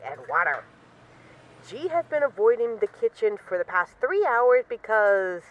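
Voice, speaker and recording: Female mafia boss, played by a woman, audio roleplay, animated intonation, self-assured, wry, teasing, mock-indignant, slightly muffled recording. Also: medium pitch, close to an everyday voice. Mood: sheepish, wry. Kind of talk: intimate audio roleplay monologue as voice messages.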